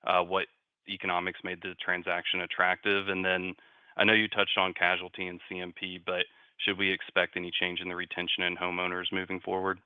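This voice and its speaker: A man's voice: sits low, monotone, a little fast, clear, resonant tone, dry recording, lo-fi sound. A man asking questions as a financial analyst on an earnings call. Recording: slightly band-limited call audio.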